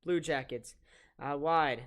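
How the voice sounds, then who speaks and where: Soft-voiced teen man calling hockey. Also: fairly high pitch, fairly even intonation, slow pace. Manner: chatty, reads chat aloud and talks to viewers between plays. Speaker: play-by-play commentator and stream host. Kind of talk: live-stream hockey play-by-play, casual.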